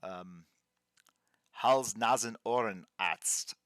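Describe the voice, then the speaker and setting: A man in his fifties hosting a livestream, chatting casually while drawing and reading out viewer names in a halting, thinking-aloud way. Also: fairly low pitch, a bit bright, smooth, dry recording, studio quality. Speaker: livestream host.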